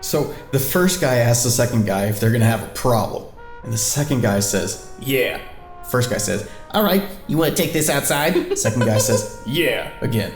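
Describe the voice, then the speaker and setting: An easygoing guy, played by a male actor, chats like a born storyteller in an audio drama dinner scene. He is playful and casual at an average pitch. The room echoes, with music behind him. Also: expressive, moderate pace, close to an everyday voice. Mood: amused, relaxed. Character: easygoing man telling bar anecdotes over dinner. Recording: roomy echo, music behind.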